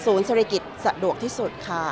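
A middle-aged woman event organizer answering interview questions matter-of-factly, often restarting her words, into press mics in an indoor hall. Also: over music. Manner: fast, matter-of-fact, with repeated restarts. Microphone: several handheld press mics.

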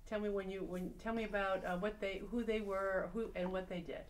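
A woman interviews someone for an oral history, putting questions to them. Her pitch sits in the middle for a woman. There is faint background noise around her voice. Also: fairly even intonation, brisk. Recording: clear background noise, off-camera voice.

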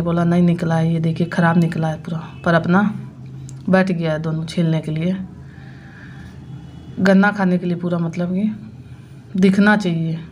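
An Indian mother in her thirties narrates a family vlog, chatting about the household's daily routine and explaining each clip step by step. Her voice is lowish and darkish, with slight background noise.

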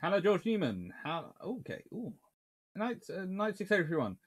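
A naval history livestreamer in his thirties sits in his small home study among shelves of books, answering viewer comments he reads aloud. His voice sits high and is slightly rough at a normal speed, and he rambles animatedly with plenty of restarts and fillers.

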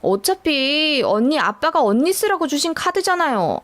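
A woman's voice: high voice, very animated, normal speed, a bit bright. A woman voicing a spoiled young sister-in-law who talks brashly and whines.

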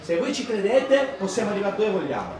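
A man in his thirties, a youth football coach, gives energetic, encouraging talks and calls out to young players on an outdoor pitch. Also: fairly quick, heavy background noise. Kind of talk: pep talk to children. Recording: distant voice over loud pitch-side crowd.

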